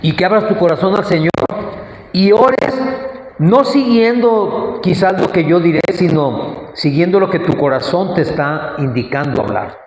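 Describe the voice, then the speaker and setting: Man preaching slow n fervent, big echoey room, faint hiss behind. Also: high-pitched, lively intonation. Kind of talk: sermon and prayer. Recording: echoey hall with faint noise.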